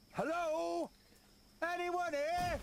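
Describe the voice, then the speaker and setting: Over clear background noise, a man puts on a squeaky character voice at an extremely high pitch. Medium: video game.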